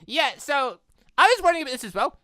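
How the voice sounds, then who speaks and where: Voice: high voice, big pitch swings, fast talker, sharp tone, no echo. A chatty gaming video creator rambling casually through a visual novel let's play, often getting side-tracked.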